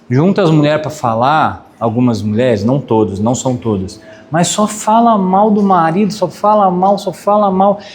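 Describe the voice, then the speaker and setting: Pastor brasileiro, voz um pouco aguda, pregação animada e enfática, com histórias engraçadas. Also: male voice, fairly high pitch, a little hiss or hum. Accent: Brazilian. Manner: animated, emphatic storytelling with sound effects. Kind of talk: sermon with humorous anecdote.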